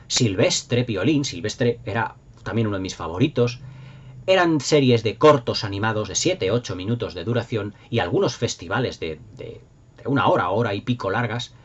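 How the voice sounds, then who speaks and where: A man's voice: medium pitch, husky, dull audio. A middle-aged man with a Castilian Spanish accent hosting a casual, unscripted nostalgic review, enthusiastic and rambling, repeating words for emphasis. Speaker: video channel host.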